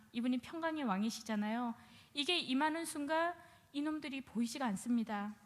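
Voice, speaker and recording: In this testimony, a high-voiced woman recounts her life as a former shaman, performing her earlier words as she goes. The telling is animated, and long hall reverb fills the recording.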